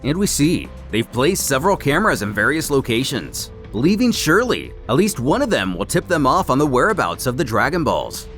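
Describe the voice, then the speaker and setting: A man's voice: medium pitch, big pitch swings, fairly quick, few pauses, a bit bright, faint music behind. A man narrating a scripted story recap as the storyteller. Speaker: narrator recapping a comic series.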